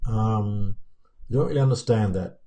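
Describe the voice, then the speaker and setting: A man's voice: lowish voice, moderate pace, warm tone. A man in his fifties with a New Zealand accent worn down by years in America, hosting a casual live-stream Q&A from a home office and answering viewer comments with many fillers and restarts. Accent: New Zealand, softened by years in America. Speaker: YouTube channel host answering live chat. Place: home office room with plants and pictures, indoors. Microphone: webcam framing at desk.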